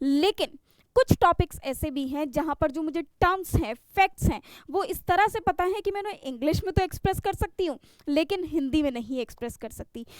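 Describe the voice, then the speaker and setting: A woman's extremely high voice, lively in intonation, at a moderate pace. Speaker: online exam-prep teacher. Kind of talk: online lecture.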